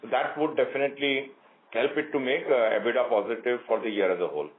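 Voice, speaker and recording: A man, a company executive answering questions on an earnings call, speaking in measured sentences with frequent pauses. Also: medium pitch. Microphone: phone line. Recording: tinny phone line, faint hiss.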